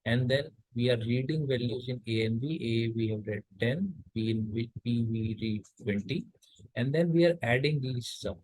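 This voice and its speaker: A man's voice: medium pitch, moderate pace, darkish tone, dry recording, poor audio. A man from India giving a recorded college lecture, explaining step by step with frequent fillers and restarts.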